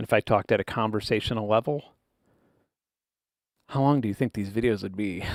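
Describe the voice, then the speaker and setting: Fairly low in pitch, a man speaks at a fairly quick pace with fairly even intonation in a dry, close sound with no echo. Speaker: YouTuber and music producer. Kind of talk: livestream chat. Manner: fast; casual, halting.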